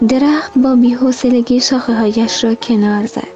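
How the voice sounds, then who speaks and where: A woman reading a children's story aloud, calm and soft, as storyteller on a radio program. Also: on the high side. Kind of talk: scripted narration. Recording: dull lo-fi radio sound with soft music.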